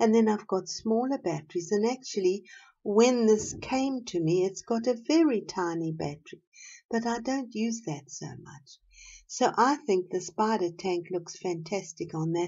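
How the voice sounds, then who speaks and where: A woman speaks at a fairly slow pace in a medium pitch, her voice somewhat breathy. Her intonation is lively. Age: 60s. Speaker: vaping video blogger. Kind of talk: casual product chat to camera. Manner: relaxed, conversational.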